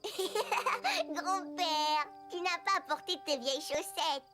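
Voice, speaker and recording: An actor voicing an excitable, curious four-year-old boy in a children's cartoon, with an eager, childlike way of exclaiming. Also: very high voice, slow, faint music behind, heavily acted. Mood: excited.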